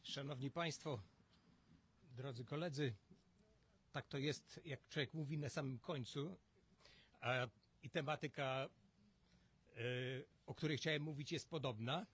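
Husky man giving hesitant thanks. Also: mid-range voice, a little slow, long pauses. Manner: relaxed, hesitant, many fillers. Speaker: local party co-host. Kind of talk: informal closing remarks. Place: outdoor terrace. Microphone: cluster of stand mics.

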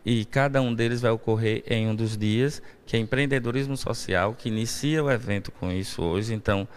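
A man's voice: mid-range voice, smooth. A man in his forties, a university professor, explaining an event in a live TV interview, with many fillers. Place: outdoors on a university campus. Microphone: handheld reporter mic.

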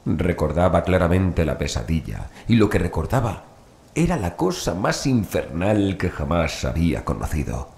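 Male horror audiobook narrator, low register, measured and dramatic, echoey sound with faint noise. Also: sing-song, vocal fry, a little mellow. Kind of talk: scripted horror story narration. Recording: roomy echo, faint background noise.

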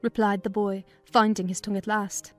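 Woman narrating, music softly behind. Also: mid-range voice, level tone, moderate pace. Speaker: audiobook narrator. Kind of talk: scripted dramatized narration of a classic novel.

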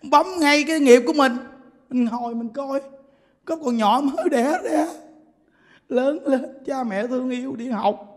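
High-voiced man preaching in a reverberant hall. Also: unhurried. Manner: animated, laughing storyteller. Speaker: Buddhist preacher. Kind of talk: sermon.

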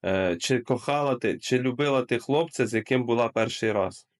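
Male streamer, Ukrainian accent, pokes with blunt questions, mid-pitched voice, video call. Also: normal speed. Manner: probing questions, terse acknowledgements. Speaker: streamer, host. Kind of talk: casual chat.

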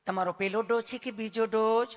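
A man's voice: high-pitched, steady tone, brisk, natural voice. A man doing a sweetly polite nurse. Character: polite adult female nurse, sweetly patient.

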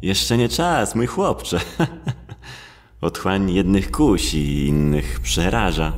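A man's voice: on the low side, vocal fry, slight background noise, voice pushed up, exaggerated voice. A man voicing a teasing, gloating supernatural being of the abyss in a horror audio drama, theatrical and mock-tender. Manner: theatrical, mock-tender, drawn-out words with sudden swoops.

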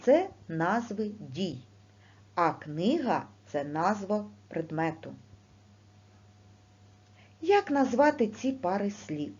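A woman teaching a primary school lesson, speaking slowly and clearly with questions to the class. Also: mid-range voice. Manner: slow, clear teacher's delivery with lively rising questions. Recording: dull lo-fi recording.

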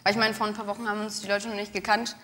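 A woman's voice: medium pitch, little pitch movement, racing, sharp tone, a little hiss or hum. A young woman from Ukraine who sings in a band, answering with enthusiasm as a guest on a TV talk show. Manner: enthusiastic, affirming, laughs. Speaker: lead singer guest. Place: TV studio stage.

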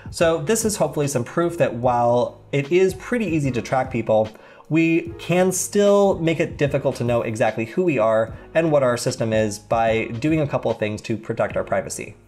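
A man's voice: medium pitch, expressive, normal speed, darkish tone, faint music behind. A young man hosting a screen-recorded tech tutorial, talking casually and thinking aloud as he demonstrates. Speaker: tutorial host.

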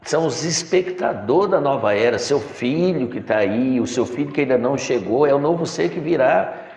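A man's voice: medium pitch, expressive, normal speed, gravelly, darkish tone. A middle-aged man giving a spiritual lecture from a chair in a decorated room, preachy, calling listeners "my son", recorded from a far camera. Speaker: spiritual teacher. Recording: echoey room with long reverb.

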